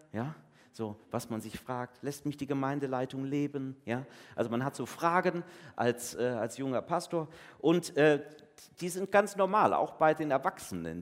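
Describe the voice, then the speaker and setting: Man, pastor, family sermon, animated delivery, chatty, long church reverb. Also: medium pitch. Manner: lively, conversational, acts out voices in retold dialogue.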